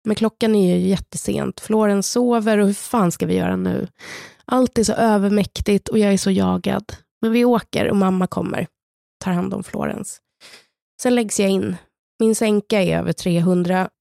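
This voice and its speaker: Swedish woman telling a personal story in a gravelly, mellow voice. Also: medium pitch, dry recording, clean studio sound. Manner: slow, measured, intimate telling in the present tense. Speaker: podcast co-host. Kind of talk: personal storytelling, partly read from a script.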